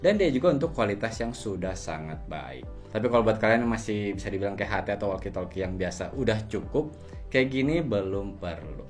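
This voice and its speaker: A man's voice: on the low side, big pitch swings, a little fast, soft background music. A man hosting a product review, explaining things in an informal, conversational way. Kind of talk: casual scripted-feel gadget review to camera.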